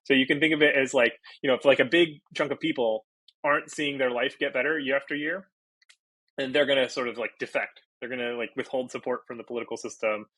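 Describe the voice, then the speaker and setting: A man's voice: mid-range voice, steady tone, fast talker, pushed and bright, dry recording, low-quality recording. A Portuguese-native man from Brazil, a podcast guest, talking casually and thinking aloud with many fillers and restarts. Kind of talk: casual interview talk.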